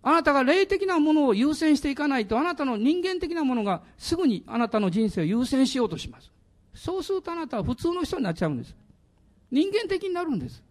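A middle-aged man, a pastor, preaching a sermon in an animated way, with laughing asides to the congregation. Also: very high-pitched, quick pace.

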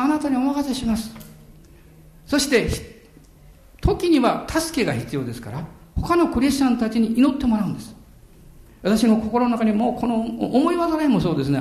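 An older man preaching in an echoey room. His voice sits high and swings widely in pitch as he tells stories with dramatic pauses and the odd chuckle. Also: darkish tone. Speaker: pastor. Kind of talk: sermon.

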